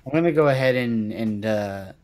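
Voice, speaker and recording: A man's voice: mid-range voice, moderate pace, a little mellow. A man chatting casually as a player in a tabletop roleplaying game. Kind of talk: casual chat during a game.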